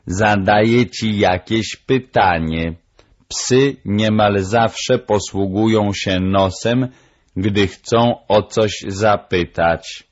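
A man voicing a proud, lecturing female parrot with a shrill voice, in a storybook audiobook. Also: very slow, muffled recording.

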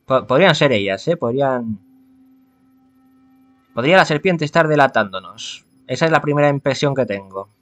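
A man's voice: medium pitch, expressive, moderate pace, long pauses, dry recording. A man playing through a visual novel aloud with casual commentary, musing and stumbling as he goes. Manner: stumbles and rereads, muses aloud. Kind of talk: casual gameplay commentary with dramatized reading.

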